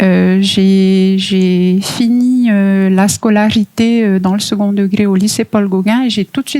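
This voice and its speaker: Speaking very slowly in a Tahitian accent, a woman uses a medium pitch, fairly even intonation and a dark, mellow tone. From French Polynesia, Raiatea. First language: Tahitian (speaking French). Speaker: author and Tahitian language teacher. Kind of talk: radio interview.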